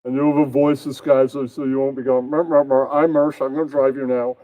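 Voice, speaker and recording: A man's voice: mid-range voice, level tone, a little fast, dry recording, narrow, tinny audio, natural voice. A man voicing a bossy, smug mafia boss puppet, rambling through improvised comedy with self-satisfied catchphrases.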